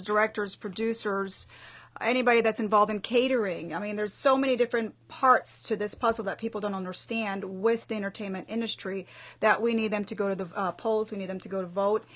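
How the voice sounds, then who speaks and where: A woman's voice: mid-range voice, brisk, bright, forceful tone. Actress guest, woman, from Belize; eager, detail-heavy answers with restarts. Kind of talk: radio interview answers.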